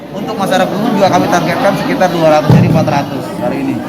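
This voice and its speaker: A woman's voice: lowish voice, racing, over loud music. A woman speaking as an official in an interview, making an exhorting public appeal with frequent tag words. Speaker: police official being interviewed. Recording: loud crowd in busy public space.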